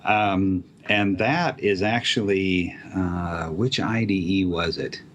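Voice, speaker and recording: A man with a very low voice chats casually about programming. He talks haltingly, with lots of ums and restarts. There is a faint hiss of noise in the background. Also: fairly bright tone, lo-fi sound. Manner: halting, many fillers and restarts. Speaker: app developer guest. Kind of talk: casual tech chat.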